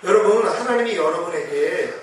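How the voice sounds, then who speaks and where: High-voiced middle-aged pastor in echoey hall. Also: male voice, lively intonation, normal speed, a crowd in the background. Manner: emotional testimony storytelling, voice swelling to fervent exclamations. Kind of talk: sermon. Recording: boomy echo, distant mic, faint hiss.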